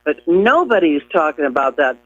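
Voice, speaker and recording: A man's voice: a little high, sing-song, normal speed, fairly bright tone, dry recording, lo-fi sound. A man calling into a radio show, speaking hesitantly and trailing off. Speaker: caller. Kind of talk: phoned-in radio call.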